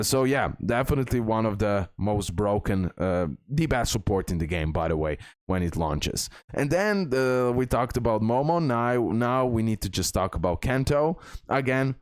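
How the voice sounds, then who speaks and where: Low-voiced man doing game commentary. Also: dry recording, studio quality. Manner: repetitive, emphatic, addresses viewers as guys. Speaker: gaming content creator, host. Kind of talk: casual game guide and gameplay commentary.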